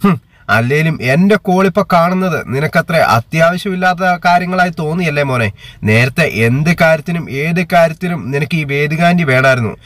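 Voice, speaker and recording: A bitter, manipulative aunt who taunts and insists in a retold family drama, read out by a man. The voice sits a little high and sounds close and dry, with no room around it. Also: a bit bright, no echo, natural voice. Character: scheming middle-aged aunt, bitter and manipulative.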